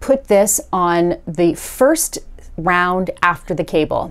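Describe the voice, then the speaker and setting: A woman speaks with a Canadian accent. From Canada. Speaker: knitting podcaster. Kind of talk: casual chat.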